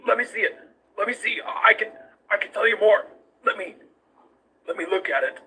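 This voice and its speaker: A man playing an anxious, devoted monster scientist in a fan comic dub, urgent, halting and pleading. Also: high voice, pushed and bright, slightly rough, exaggerated voice, poor audio. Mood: desperate pleading.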